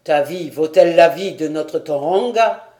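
A woman reading an audiobook, voicing a proud, menacing male tribal chief who speaks coldly and forcefully. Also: deep voice, unhurried. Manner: cold, forceful, accusing.

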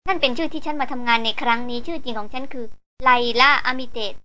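A woman's voice: high voice, fast, bright, forceful tone. A woman reading the lines of a young woman chemist who talks breathlessly and urgently. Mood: excited. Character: excited young woman chemist lost in cave.

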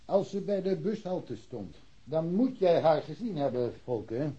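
A man acting in a radio drama as a blunt, impatient, familiar policeman with a husky voice, on a dull recording. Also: fairly high pitch, animated, a little slow, dark tone. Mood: exasperated.

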